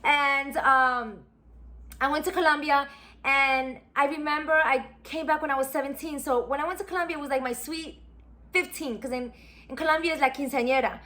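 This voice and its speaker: A woman's voice: sits high, fairly even intonation, moderate pace, bright, forceful tone. A woman, chatting casually and reminiscing as she unboxes a subscription box. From New York. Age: 40s. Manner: chatty, reminiscing, musing aloud. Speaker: beauty vlogger.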